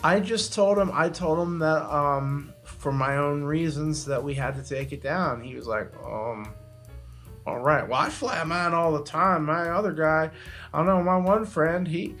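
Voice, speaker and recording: A man's voice: a little high, a bit bright. A man telling stories in casual comedic podcast chat, swearing freely and grumbling with animation. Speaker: podcast co-host.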